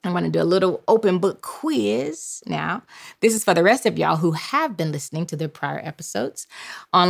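Gravelly low-voiced woman teaching scripture. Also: fairly bright tone. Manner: leads call-and-response, drawn-out phrases. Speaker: podcast host and Bible teacher. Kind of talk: scripture memorization lesson.

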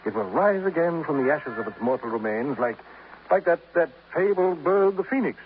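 A man's voice: on the high side, sing-song, normal speed. A man playing a grandiloquent eccentric who lectures squirrels in florid, theatrical speech, in 1950s radio drama style on an old recording. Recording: dull old radio transcription, faint hiss.

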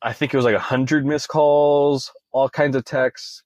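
A man's voice: mid-range voice, fairly even intonation, a little slow, no room sound. Young man telling a story, dry close sound. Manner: conversational, leans on "you know" fillers. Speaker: podcast guest. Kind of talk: casual interview storytelling.

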